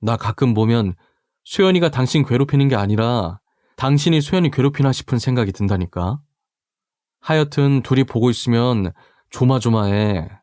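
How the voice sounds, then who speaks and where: A man voicing a gentle middle-aged husband who comforts his wife softly and slowly. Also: medium pitch, animated, no room sound, studio quality, natural voice. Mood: soothing. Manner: soft, soothing, slow.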